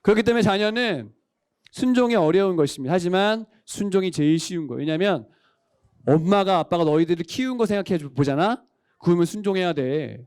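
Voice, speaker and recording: A man's voice: high voice, animated, a little fast, a little mellow, clear, resonant tone, no room sound, studio quality. A male pastor preaching a sermon, quizzing the congregation and calling for amens. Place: church worship service.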